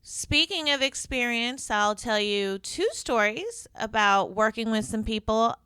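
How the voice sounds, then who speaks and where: A woman, a professional organizer, hosting her own podcast and telling stories in a conversational, deliberate way with occasional fillers. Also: fairly high pitch, bright, forceful tone, smooth, no room sound. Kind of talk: solo podcast storytelling.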